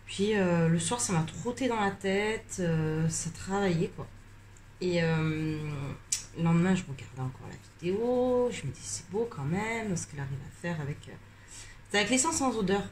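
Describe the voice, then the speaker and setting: A tired, slightly congested woman chatting casually while coloring, rambling with many hesitations and pauses. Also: lowish voice, lively intonation, a little mellow, a little hiss or hum. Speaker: coloring vlogger.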